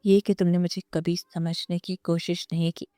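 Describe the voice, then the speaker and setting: A woman voicing a brooding, proud young husband who speaks curtly and with quiet bitterness. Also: fairly low pitch, level tone, dry recording, clean studio sound, natural voice. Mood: hurt, bitter.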